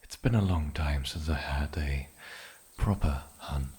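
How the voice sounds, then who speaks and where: A man playing an ancient, lonely and possessive island demon in a soft-spoken ASMR fantasy roleplay, breathy and often slipping into whispers, with a halting, sinisterly polite menace. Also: rumbling low, slight background noise. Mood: calmly threatening.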